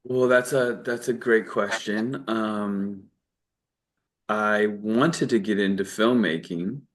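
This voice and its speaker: A man's voice: lowish voice, slow pace. A man from Virginia with an American accent, chatting informally as an interview guest, meandering with false starts. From Virginia, United States. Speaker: interview guest, documentary filmmaker. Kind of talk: casual chat.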